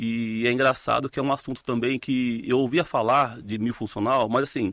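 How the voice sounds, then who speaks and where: Against a quiet backdrop, the man's voice sits at a medium pitch. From Brazil, Minas Gerais. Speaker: orthodontist and professor. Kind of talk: interview. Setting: podcast studio. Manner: fast; animated.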